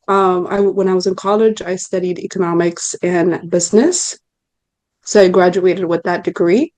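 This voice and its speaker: A woman's voice: lowish voice, a little mellow. A woman in her twenties from Ethiopia, answering interview questions earnestly, with frequent ums and restarts. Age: 20s. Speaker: interview guest. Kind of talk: casual interview talk.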